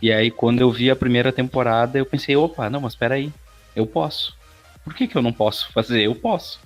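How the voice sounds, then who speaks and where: A man in his thirties speaks casually as an interview guest, with a mid-pitched voice. He tells things like an animated storyteller, voicing his own old thoughts. Faint music plays behind him. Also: brisk. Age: 30s. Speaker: interview guest, aspiring voice actor.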